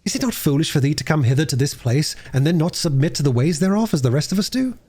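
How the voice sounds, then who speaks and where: Man voicing a lively, higher-pitched young squire. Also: fast, husky. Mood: chiding. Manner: archaic, scolding phrasing. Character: chiding young male squire, brotherly, in archaic speech.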